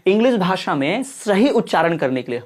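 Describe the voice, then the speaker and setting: A male teacher giving an exam-prep lesson. He explains in Hindi, reads English questions out slowly and repeats each answer to drive it home. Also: high voice, sing-song.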